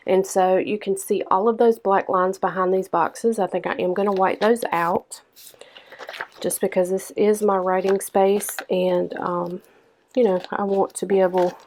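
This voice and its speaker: A young woman with a hoarse, stuffed-up voice chatting casually through a planner-decorating vlog. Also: fairly low pitch. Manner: chatty, lots of ums, unhurried. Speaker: planner vlogger. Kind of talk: casual plan-with-me narration.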